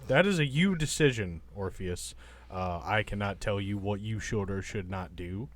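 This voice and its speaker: A man's voice: on the low side, animated, normal speed. A man talking and explaining things casually as a player in a tabletop game.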